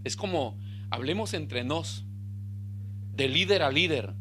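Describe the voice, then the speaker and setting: Man preaching with big loud-soft swings. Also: animated, slow, slight background noise. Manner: impassioned preaching, swings between loud emphasis and quiet low asides. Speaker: pastor. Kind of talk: sermon.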